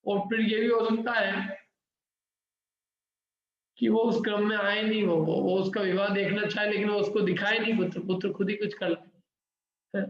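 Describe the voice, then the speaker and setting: A man's voice: high voice, little pitch movement, normal speed, long pauses. A middle-aged man teaching a scripture class, explaining step by step and asking the class questions. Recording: very echoey, dull lo-fi room recording.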